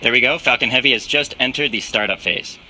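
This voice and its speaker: A man's voice: mid-range voice, quick pace, sharp tone, rough recording. A man giving live, explanatory commentary as host of a rocket launch webcast. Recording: clear background noise.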